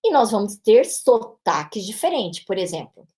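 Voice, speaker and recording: A woman's voice: mid-range voice, very animated, moderate pace, warm tone. Female teacher, São Paulo interior accent, explanatory lesson delivery with frequent check-in tags. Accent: São Paulo interior Brazilian Portuguese. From Brazil. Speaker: English teacher. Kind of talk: pronunciation lesson narration.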